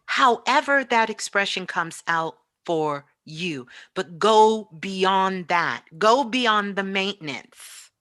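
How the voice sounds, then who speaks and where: A woman's voice: medium pitch, animated, takes it slowly, hardly any pauses, fairly bright tone. A woman giving a motivational spiritual talk in an emphatic, preaching way, repeating phrases for weight. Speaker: guest spiritual teacher.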